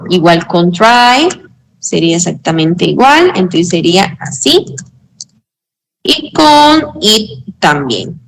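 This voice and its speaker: A woman teaching English grammar in a slow, patient way, often checking that students follow. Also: lowish voice, very animated, vocal fry, a little hiss or hum, rough recording. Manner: slow, patient explaining with frequent check-ins. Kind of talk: online tutoring lesson.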